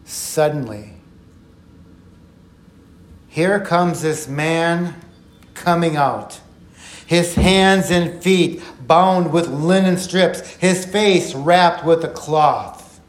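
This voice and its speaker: Earnest higher-voiced man in an echoey room. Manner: earnest, reflective storytelling with slow emphatic quotes. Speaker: Bible teacher. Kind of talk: podcast Bible study talk.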